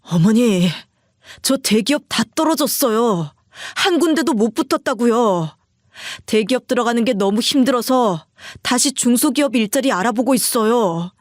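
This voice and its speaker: A woman's voice: fairly high pitch, animated, moderate pace, no room sound, clean studio sound, lightly acted. A woman voicing a weary, strained grown man who pleads with his mother in a subdued way.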